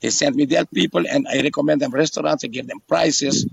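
A man's voice: fairly high pitch, fairly quick, vocal fry, husky, dry recording. A man with an Aruban accent talking casually as a tour guide, explaining things conversationally and often repeating phrases or checking in with a "yes?". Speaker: tour guide being interviewed.

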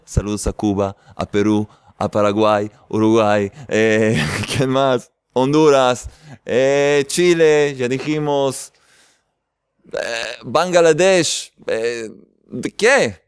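A man's voice: mid-range voice, clear, resonant tone, no echo, studio quality. A man hosting an online faith workshop, teaching in a playful, joking way and greeting his viewers. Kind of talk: jokey faith lesson to an online audience.

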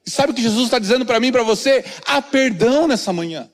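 A man preaching with a high, bright voice that carries through a church with a long, lingering echo. His delivery is earnest, and he sometimes sinks into quiet low tones to drive a point home. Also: animated, fast talker. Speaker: pastor. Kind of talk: sermon. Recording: long hall reverb from a church.

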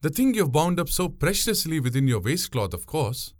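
A man voicing a sharp-tongued young woman who steers a boat, teasing and bossy in a raised voice. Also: fairly high pitch, big pitch swings, moderate pace, no room sound, studio quality, voice pushed up. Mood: probing.

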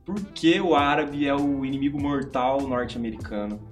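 A man hosting a casual interview, chatty and quick to react. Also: mid-range voice. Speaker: host. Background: background music.

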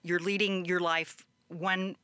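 A woman executive director answering interview questions in a measured, explanatory way. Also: lowish voice, flat delivery, sharp tone, smooth, no echo.

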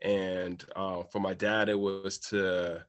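A young man from Boston, a writer who is a guest on a radio interview, answering in a soft-spoken, thoughtful way with many "um"s. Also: deep voice, level tone, takes it slowly. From Boston, USA.

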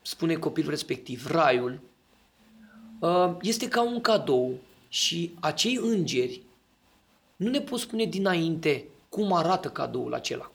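A man's voice: a little high, sing-song, creaky. A man in casual podcast talk, explaining his ideas and often checking that the listener agrees.

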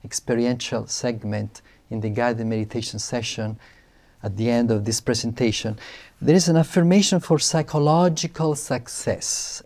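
A man speaking as a monastic teacher, giving a spiritual talk in a calm, soothing, deliberate manner. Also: mid-range voice. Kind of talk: spiritual talk with guided breathing and affirmations.

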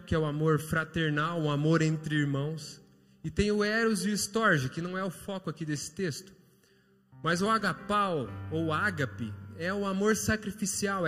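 Man, pastor, Brazilian Portuguese accent, high voice, sermon, long church reverb, faint music behind. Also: fairly bright tone. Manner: builds to fervent, rising emphasis; acts out dialogue in quoted voices. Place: large church hall.

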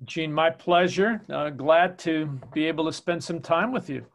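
A man's voice: a little high, a little slow. An older man, a volleyball coach who grew up in Chicago, telling his long career story in a casual interview with many ums and uhs. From Chicago, United States.

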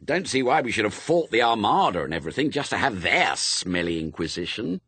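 A man's voice: lowish voice, sing-song, fairly quick, fairly bright tone, slight background noise. Man voicing a sulky, grumbling young boy. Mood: indignant. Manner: sulky, muttering complaint.

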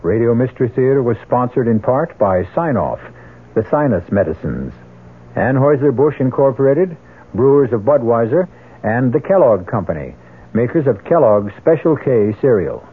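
A man's voice: mid-range voice, animated, moderate pace, slightly rough. A man reading a scripted sponsor announcement as a radio announcer. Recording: tinny, phone-like old radio broadcast.

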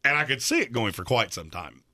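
Thirties male sports radio host, argumentative, bright and animated. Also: mid-range voice, brisk. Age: 30s. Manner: emphatic, argumentative.

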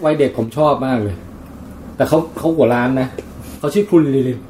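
A man co-hosting a casual chat, recounting what he watched in a relaxed storytelling way with playful asides. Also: mid-range voice, normal speed, slight background noise. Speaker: podcast co-host.

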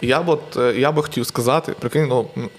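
A man's voice: medium pitch, steady tone, fast talker. A man in his twenties with a Ukrainian accent, co-hosting a casual comedy podcast, hesitant with many fillers and restarts. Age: 20s.

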